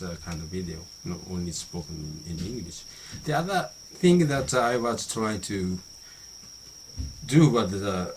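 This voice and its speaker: Very low-voiced Japanese man, halting English. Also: a little hiss or hum, poor audio. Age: middle-aged. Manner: halting, many restarts and "you know" fillers. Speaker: vlogger. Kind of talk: unscripted monologue practicing English.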